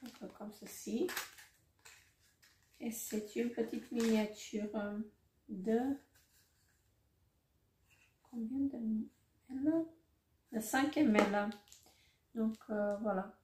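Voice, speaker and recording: A woman's voice: on the high side, extremely slow, pauses often. A middle-aged woman vlogger unboxing beauty products in a casual, hesitant way, with many fillers and self-corrections. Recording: roomy echo, faint noise.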